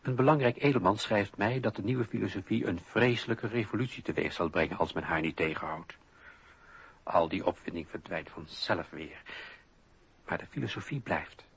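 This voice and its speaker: An actor playing a weary, indignant old French philosopher in a radio play, declaiming in a deliberate, rhetorical way. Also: male voice, on the low side, creaky, slightly rough, lo-fi sound, exaggerated voice. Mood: warm, reflective. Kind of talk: radio drama monologue, declaimed.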